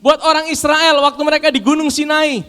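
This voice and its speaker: A man's voice: very high voice, steady tone, fairly quick, sharp tone. A man preaching a sermon as pastor, calling the congregation brothers and sisters and posing questions that he answers himself. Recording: long hall reverb.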